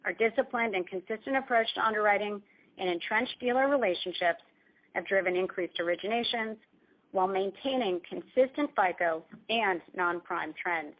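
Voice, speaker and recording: A dull, band-limited conference call recording carries a woman's mid-pitched voice. She speaks as a company executive presenting financial results from a script. Her delivery is formal, measured and corporate.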